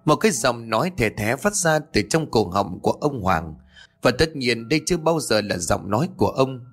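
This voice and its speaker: A man narrating a horror story in an expressive, dramatic way. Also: medium pitch, normal speed, faint music behind.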